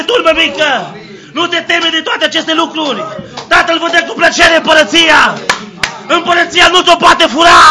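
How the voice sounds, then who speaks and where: A man preaching a fiery sermon, shouting exclamations of praise and asking questions he answers himself, dropping now and then into low, quiet passages. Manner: shouting exclamations of Hallelujah, call-and-response questions. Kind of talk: fiery Pentecostal-style sermon.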